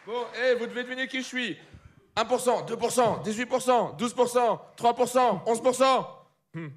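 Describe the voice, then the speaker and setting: A man's voice: very high-pitched, moderate pace. A man delivering a live comic radio chronicle, rowdy and swearing, laughing at his own jokes, in a studio before an audience. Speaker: comedy columnist.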